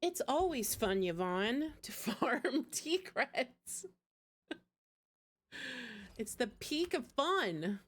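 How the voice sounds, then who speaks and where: A woman's voice: on the high side, sing-song, very slow, a bit bright. Chatty gamer lady on stream, kinda self-deprecating, game music playing behind her. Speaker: game livestreamer. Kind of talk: casual gaming stream chat.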